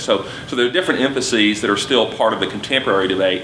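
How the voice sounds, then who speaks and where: A man with a Southern US accent, fairly low-pitched, talking at a very fast pace, with audible room echo and noticeable background noise. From US South, Atlanta. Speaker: sociology professor. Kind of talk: lecture. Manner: hesitant, many fillers.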